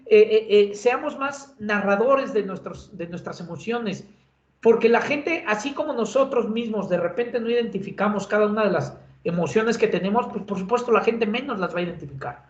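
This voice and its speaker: A man's voice: high-pitched, animated, normal speed. A man with a Mexican accent giving a conversational lecture as an instructor, with many filler sounds and tag questions. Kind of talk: lecture on communication. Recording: roomy, dull lo-fi sound.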